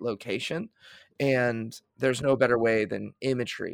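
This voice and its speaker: The speaker here is a man. The recording is very clean, and the background is silent. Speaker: podcast host, crowdfunding marketer. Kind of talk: casual chat. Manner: loud.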